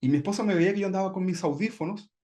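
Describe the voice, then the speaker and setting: A man's voice: high-pitched, racing, warm tone. A man from Chile sharing his personal testimony in a conversational way, often checking in with tag questions. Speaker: church member giving testimony.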